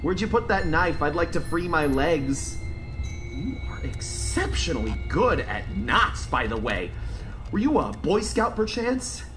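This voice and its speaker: A man's voice: on the high side, big pitch swings, measured pace, a bit bright, faint music behind. A man playing a mild-mannered sad circus clown who is secretly a killer, in an audio drama, polite and droll in manner. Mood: calm, smug. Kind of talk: full-cast audio drama acting. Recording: faint background noise and ambience.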